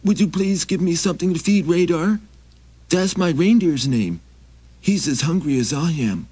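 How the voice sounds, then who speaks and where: A man voicing a poor, ragged young reindeer trainer who pleads politely in a high, quick, tumbling voice. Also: expressive, darkish tone, breathy edge, no echo. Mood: pleading. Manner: pleading, fast tumbling words.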